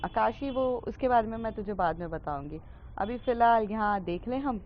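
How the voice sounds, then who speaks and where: A woman's voice: a little high, expressive, moderate pace, highs cut off, close to an everyday voice. A woman voicing Pooja, a frank, chatty teenage head girl, in a near-natural voice.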